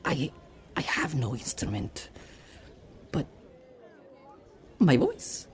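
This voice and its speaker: A woman playing a shy, polite male mouse suitor in an audio play, hesitant, breathy and stammering. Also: very deep voice, huge pitch swings, slow pace, darkish tone, full character voice. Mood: nervous, tender. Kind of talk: audio theatre acting.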